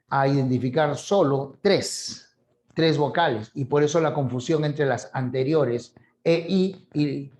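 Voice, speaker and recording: A man's voice: a little high, a little mellow. A man with a Peruvian coastal accent giving a video lesson, explaining conversationally and checking in with his listeners often. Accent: Peruvian coastal Spanish. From Peru. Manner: conversational, frequent "¿no?" tags, acts out examples. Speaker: teacher.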